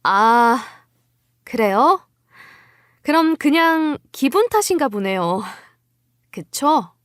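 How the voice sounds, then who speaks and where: A woman playing a wary, quietly cunning young wife, telling her story in scripted first-person narration with composed politeness. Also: high voice, big pitch swings, slow pace, no echo, clean studio sound, exaggerated voice. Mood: feigned innocence.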